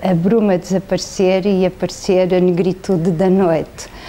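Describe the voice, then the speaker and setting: At a fairly slow pace, a woman talks at a medium pitch in a monotone, flat intonation. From central Portugal (Ourém). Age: 60s. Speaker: anthropologist. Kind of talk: interview. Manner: hesitant, many fillers.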